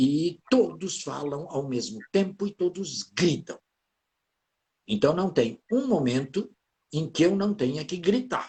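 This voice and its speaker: A man with a fairly high pitch speaks very slowly, his pitch swinging very widely between long, frequent pauses. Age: 70s. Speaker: voice actor and stage actor. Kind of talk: interview.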